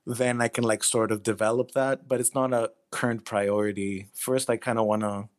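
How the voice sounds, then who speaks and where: A man being interviewed as a writer, explaining himself casually in a thoughtful, somewhat halting way. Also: fairly low pitch, steady tone.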